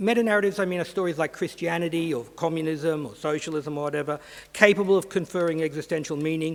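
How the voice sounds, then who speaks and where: Speaking at a very fast pace, a man with a high pitch shows ordinary pitch variation on a very clean recording with a silent background. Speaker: philosophy professor. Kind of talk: lecture.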